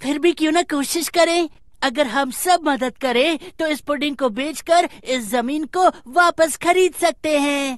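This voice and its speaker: Someone uses a high-pitched put-on character voice at a moderate pace. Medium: fan dub.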